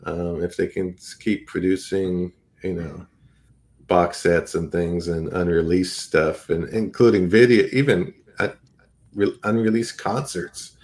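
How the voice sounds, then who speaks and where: A man with a low voice co-hosts a casual live podcast. He talks hesitantly, restarting and circling back mid-thought. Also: fairly even intonation, measured pace, darkish tone. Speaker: podcast co-host.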